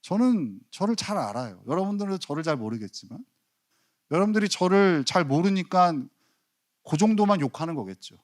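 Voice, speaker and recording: Lively, animated Korean male pastor. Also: high voice, fairly quick. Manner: storytelling with lively quoted voices and self-mocking humor. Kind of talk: sermon. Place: church sanctuary.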